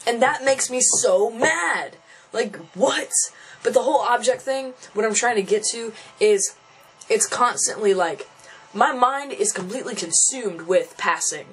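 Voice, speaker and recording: A man's voice: extremely high pitch, unhurried, a bit bright, slightly rough, faint music behind, rough recording. A young transgender man venting casually to camera, frustrated and thinking aloud, often restarting and repeating phrases. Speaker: vlogger.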